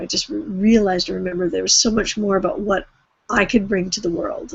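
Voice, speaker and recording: With a Canadian accent and an unremarkable speaking voice, a woman talks at a fairly quick pace and medium pitch, with ordinary pitch variation. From Canada. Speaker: online show host, entrepreneur mom. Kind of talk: casual chat.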